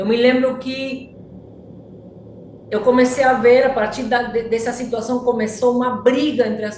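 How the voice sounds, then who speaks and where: A woman with a Spanish accent speaks at a fairly slow pace and a high pitch. Her intonation is monotone and flat. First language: Spanish (speaking Portuguese). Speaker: church member giving testimony. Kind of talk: testimony. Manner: halting.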